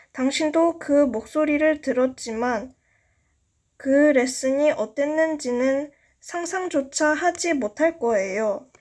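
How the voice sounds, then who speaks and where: High-voiced woman reading a novel slowly. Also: a little mellow. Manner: slow, careful reading with stumbles. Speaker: amateur audiobook reader.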